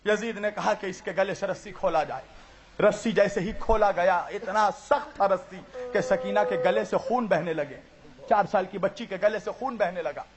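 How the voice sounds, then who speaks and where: Man from india, mourning sermon, impassioned preacher, high voice, loud cries and hushed grief. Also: moderate pace. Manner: impassioned, swinging to loud cries and low grieving tones; addresses the audience directly with questions. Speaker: Islamic preacher. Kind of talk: mourning sermon at a religious gathering.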